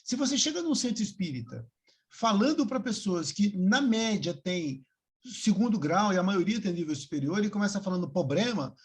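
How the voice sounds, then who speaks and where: Discussion moderator, explanatory, animated pitch. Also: normal speed. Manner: stumbling restarts, then explanatory. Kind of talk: casual group discussion.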